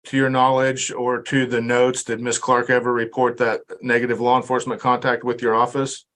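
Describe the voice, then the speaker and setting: A male prosecutor speaks in formal legal phrases in a courtroom recording. His voice is mid-pitched and very even, with little melody. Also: normal speed, slight background noise.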